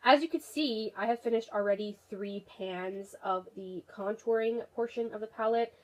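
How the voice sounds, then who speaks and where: A woman's voice: on the high side, moderate pace, darkish tone, rough recording. Young woman, nasal and stuffed up, casual beauty vlog chat, rambling with ums, talking to her camera. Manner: chatty, rambling, many fillers. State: sick, nasal and congested. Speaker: beauty vlogger.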